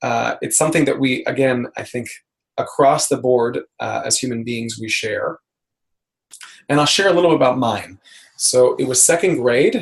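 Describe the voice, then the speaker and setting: Long, frequent pauses break up a man's speech. Between them his pace is moderate. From US, Miami, Florida, Cuban American family. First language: Spanish. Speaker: public speaking coach. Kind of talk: webinar presentation. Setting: online webinar. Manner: animated.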